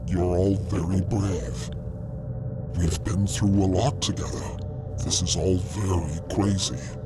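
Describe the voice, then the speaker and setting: Slow, halting man voicing a weary, gentle alien. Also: low voice, steady tone, music in the background. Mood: apologetic, earnest. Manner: halting, courteous, apologetic. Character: gentle, apologetic, exhausted male arthropod alien crewmate. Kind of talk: audio fiction podcast acting.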